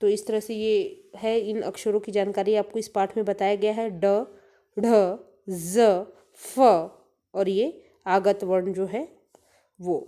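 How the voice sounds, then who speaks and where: A woman teacher giving an online lesson to young children, reading out words slowly and clearly for pupils. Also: mid-range voice, little pitch movement, mellow.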